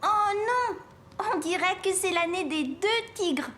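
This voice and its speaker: Very high-voiced, friendly young girl. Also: a little slow, very noisy. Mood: cheerful. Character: friendly, helpful young schoolgirl. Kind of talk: children's cartoon dub.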